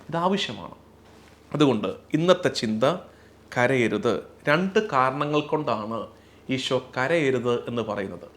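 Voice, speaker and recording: A Catholic priest gives a calm, reflective sermon in a slightly higher-than-average male voice. He speaks slowly and tenderly, letting phrases fall away to near-hush at their ends. At times he breaks into a slow, chanted hymn line.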